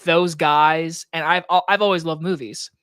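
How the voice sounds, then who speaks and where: A man with a scratchy, hoarse throat hosting a casual live stream Q&A from his desk, talking loosely with plenty of likes and restarts into a microphone on a boom arm. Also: fairly even intonation, measured pace, fairly bright tone, no room sound, studio quality. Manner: loose, rambling talk with many likes and restarts. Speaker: movie reviewer and channel host. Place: home desk setup.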